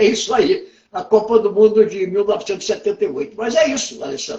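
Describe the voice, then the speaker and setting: Here is a man with a high-pitched voice. His pitch varies in an ordinary way. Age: 80s+. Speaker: writer and long-distance walker. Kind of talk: live video chat interview. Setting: live video call.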